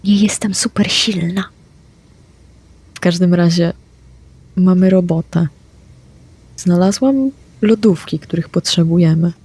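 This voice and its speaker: A woman's voice: on the low side, slow, pauses often, warm tone, slightly rough. A woman playing a tabletop vampire game, speaking bluntly in character and swearing freely. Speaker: player.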